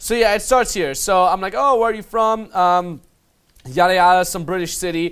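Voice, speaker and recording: The man's voice has a high pitch with ordinary pitch variation, and he talks at a fairly quick pace. The recording is very clean with a silent background. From Austria. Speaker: dating coach. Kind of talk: video commentary breakdown. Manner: casual.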